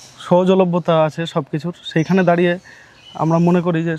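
Against noticeable background noise, a man speaks in a high, monotone voice with flat intonation. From India, West Bengal, Nadia district. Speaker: visiting fish farmer. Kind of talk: on-camera interview statement.

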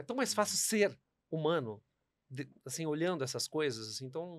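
The pitch rises and falls very widely. The speaker is a man. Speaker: musical theatre actor. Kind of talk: casual chat. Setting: studio.

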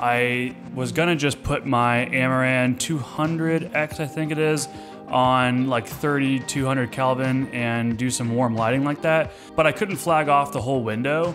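A man talks with hardly any pauses and fairly even intonation. Clear music plays in the background. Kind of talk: tutorial. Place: home room. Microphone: handheld.

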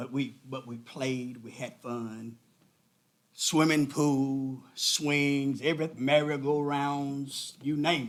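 Speaking very slowly with a Southern US accent, a man keeps his intonation fairly even. His voice is fairly high, and his loudness swings widely. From Tennessee. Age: 60s. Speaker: pastor speaking at public comment. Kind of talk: public comment at council meeting. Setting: city council meeting.

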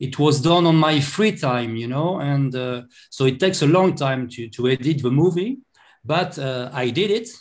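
A man with a French accent and fairly high pitch, against a quiet background. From France. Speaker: documentary filmmaker; conference host or guest. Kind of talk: presentation. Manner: halting. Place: home room. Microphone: video call.

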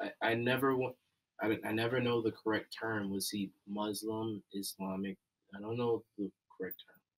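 Over faint background music, a man speaks at a moderate pace in a flat monotone, his loudness swinging widely. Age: 20s. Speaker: college student; panelist. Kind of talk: webinar discussion. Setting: video webinar. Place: office.

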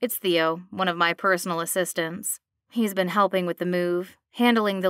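A plain reading, intonation fairly even, background quiet

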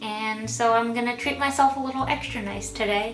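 Faint music plays in the background as a woman speaks fairly slowly with audible room echo. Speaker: vlogger. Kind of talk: casual vlog chat. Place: kitchen. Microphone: phone near.

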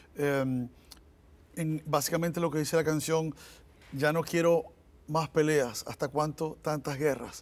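With monotone, flat intonation, a man speaks at a fairly slow pace in a fairly high pitch. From Venezuela, Maracaibo (Zulia); Zulia, Venezuela. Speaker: flautist; guest. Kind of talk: TV interview. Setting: studio with audience. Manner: halting. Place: studio. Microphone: lapel.

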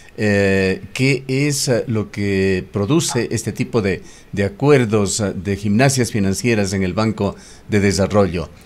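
A man's fairly low voice, with ordinary pitch variation, unfolds at a very slow pace. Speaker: radio host. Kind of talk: radio interview.

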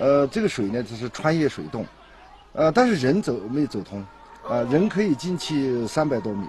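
Light background noise sits under a dry sound with no echo. A man of medium pitch speaks at a moderate pace. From Yunnan, southwest China. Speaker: local historian; guest. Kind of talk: casual interview. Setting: outdoors. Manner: halting. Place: open country.

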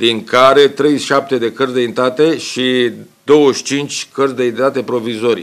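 Over a quiet background, a man talks at a fairly slow pace. His intonation stays fairly even. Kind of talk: interview answer. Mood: calm, official. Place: office. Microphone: handheld.

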